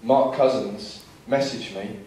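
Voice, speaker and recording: A man's voice: medium pitch, slow, slight background noise. 40s guy filmmaker doing a seminar talk, acts out what people said, far off mic in a super echoey hall. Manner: lively storyteller who acts out other people's lines.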